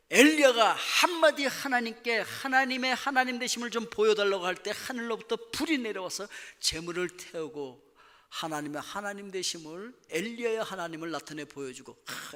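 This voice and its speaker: High, bright-voiced male pastor in a reverberant hall. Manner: animated, acts out quoted complaints with sudden loud outbursts. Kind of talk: sermon. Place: church sanctuary.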